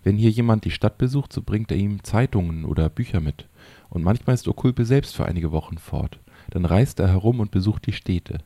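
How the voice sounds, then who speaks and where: A man's voice: on the low side, lively intonation, brisk, warm tone, no echo. A man reading a chatty old village woman. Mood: fond.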